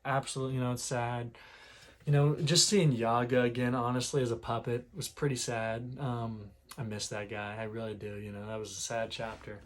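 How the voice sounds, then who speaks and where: Man, manga reviewer, casual rambling commentary, sore throat, mid pitch. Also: normal speed. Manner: rambling, full of fillers, animated retelling. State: sore throat, clearing it often.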